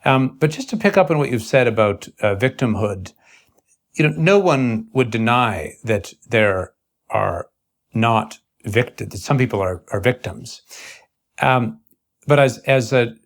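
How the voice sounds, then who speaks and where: A man interviewing in an earnest intellectual conversation, speaking in formal academic phrases with a halting, searching delivery. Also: medium pitch, expressive.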